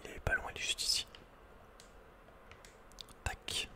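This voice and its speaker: A man whispering unhurriedly as he thinks aloud, hosting an ASMR video game playthrough. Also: takes it slowly. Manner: whispering throughout. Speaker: ASMR gamer host.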